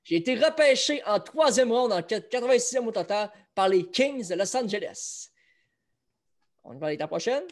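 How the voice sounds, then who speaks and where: A man's voice: sits high, lively intonation, normal speed. A man with a Quebec French accent, hosting a casual sports chat show and running a trivia quiz. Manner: chatty, runs a trivia quiz. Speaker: host.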